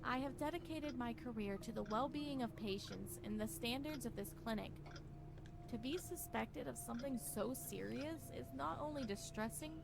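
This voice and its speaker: A woman playing a grave character in a horror game, reading sinister letters and diary entries aloud in a measured, formal, dramatic way. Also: fairly high pitch, creaky, background noise. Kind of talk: scripted horror game narration.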